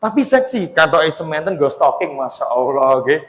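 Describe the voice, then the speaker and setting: A man with a high voice and a Javanese accent preaches in a relaxed, joking way, talking straight to the women in front of him. His voice rings out through a large hall with a long, echoing tail. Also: moderate pace. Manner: chatty, joking, mixes Javanese into Indonesian, addresses women in the audience. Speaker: Islamic preacher. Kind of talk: humorous religious lecture. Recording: echoey hall with long reverb.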